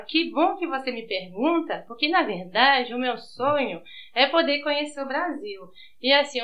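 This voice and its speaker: A woman's voice: a little high, highs cut off. A woman from France with a Brazilian Portuguese accent, talking in an explanatory, informal way as an interview guest. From France, grew up on the outskirts of Paris. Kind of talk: informal interview, telling life story.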